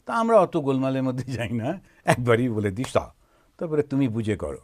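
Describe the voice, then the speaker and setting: A man with a Bengali accent, a monk who chants Sanskrit verse slowly and then explains pronunciation with gentle humour. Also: mid-range voice, big pitch swings. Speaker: monk giving a spiritual talk. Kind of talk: chanting then spoken talk.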